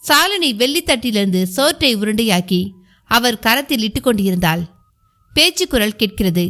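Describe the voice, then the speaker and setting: A woman reading a historical novel aloud in measured storytelling. Her voice sits high and bright, and her pitch moves widely from phrase to phrase. The reading is scripted and steady. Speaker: audiobook narrator.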